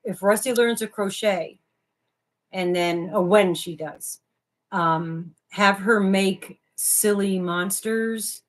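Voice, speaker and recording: A chatty woman hosts a casual craft livestream with plenty of energy, hopping from one thought to the next. Her voice sits at an everyday middle pitch for a woman, neither high nor low. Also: takes it slowly. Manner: hyper, chatty, jumps between topics. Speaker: livestream co-host.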